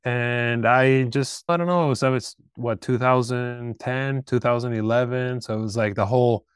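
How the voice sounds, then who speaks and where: A man in his thirties from Peru, a guest telling his story in a casual interview, relaxed and rambling with restarts. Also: mid-range voice, normal speed, clear, resonant tone, dry recording, studio quality. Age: 30s. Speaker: guest, startup founder.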